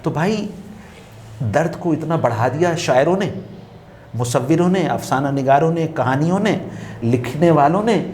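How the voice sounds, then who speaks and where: A man as a talk-show guest, speaking in an unhurried, musing way, repeating phrases for emphasis and quoting couplets. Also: a little high, expressive, a little mellow, slight background noise. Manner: quotes couplets while explaining. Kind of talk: reflective talk-show conversation.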